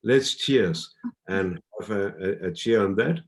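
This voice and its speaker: A man's voice: lowish voice, slow pace. A man hosting an online live stream, introducing a guest speaker and rallying the audience to cheer for her. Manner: excited cheerleading, calls for cheers. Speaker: host.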